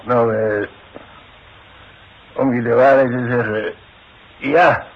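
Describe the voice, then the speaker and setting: An actor playing a proud but frightened retired demolition man, an older father who talks haltingly and evasively in a 1960s radio play. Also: mid-range voice, steady tone, husky. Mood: halting, confessing. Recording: muffled, hissy 1960s radio play recording.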